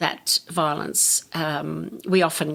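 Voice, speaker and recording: A woman with an Australian accent speaks with a very deep, low pitch and vocal fry. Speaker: nurse. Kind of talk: interview testimony. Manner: halting, many fillers.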